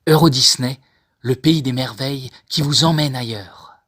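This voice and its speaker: A man, a voice actor, delivering scripted narration in a theatrical, measured manner. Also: medium pitch, fairly bright tone, husky. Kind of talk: scripted dramatic narration for a demo reel.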